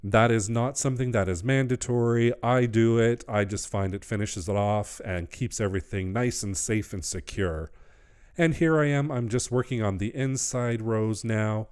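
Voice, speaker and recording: A man's voice: fairly low pitch, normal speed, darkish tone, clear, resonant tone. A middle-aged man hosting a wreath-making tutorial, explaining each step in an upbeat, instructional way. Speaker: wreath-making channel host. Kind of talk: craft tutorial voice-over.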